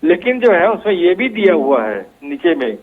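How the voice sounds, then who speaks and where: Man, senior journalist, measured explanations, fairly high voice, tinny phone line. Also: very animated. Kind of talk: explaining a legal term in a debate.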